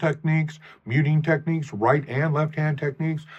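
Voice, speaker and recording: This man's pitch sits fairly high. His voice is somewhat breathy. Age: old. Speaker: guitar teacher. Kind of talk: casual talk to camera.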